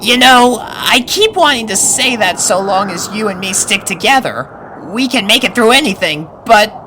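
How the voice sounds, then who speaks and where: Man putting on a high-pitched bossy little pony boy. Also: expressive, moderate pace, noisy background. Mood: doubtful, downcast. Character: bossy young boy unicorn pony, anxious underneath. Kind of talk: acted character voice in fan fiction reading.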